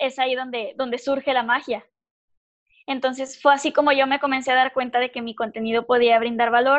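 A woman with a high voice speaks at a fairly quick pace in a monotone, flat intonation. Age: 20s. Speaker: music student and TikToker. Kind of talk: interview testimony.

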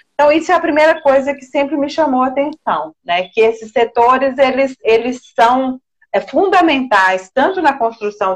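A woman talks at a moderate pace. Her pitch is high. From Brazil, northern Minas Gerais (Montes Claros). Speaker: creative economy specialist. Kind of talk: casual interview. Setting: Instagram live video call.

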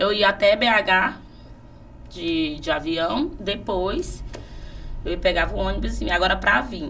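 A woman talks at a very slow pace, leaving long, frequent pauses. Room echo is audible. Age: 30s. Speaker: sex educator and sex shop owner. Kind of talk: casual chat.

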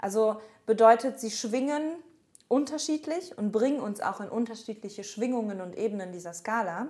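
Somewhat breathy with a dark, mellow tone, the voice moves at a moderate pace with lively intonation and big swings in loudness. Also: woman, fairly high pitch for a woman. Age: 30s. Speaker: spiritual podcast co-host. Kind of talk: casual chat.

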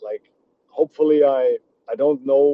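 A man with a German accent at a moderate pace. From Austria. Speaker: basketball coach. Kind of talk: recorded monologue.

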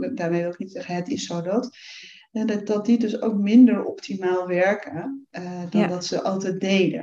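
A woman speaks in an unremarkable speaking voice at medium pitch. Her pace is moderate and her pitch variation ordinary. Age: 50s. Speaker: menopause specialist, sociologist. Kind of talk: interview, explaining.

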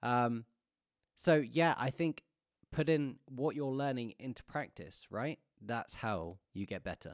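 A man with a southern English accent, medium pitch and lively intonation, at a fairly slow pace, in a very clean recording with a silent background and a dry, close sound with no echo. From England, Bedford. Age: 30s. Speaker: podcast host. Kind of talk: casual interview. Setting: recording studio.

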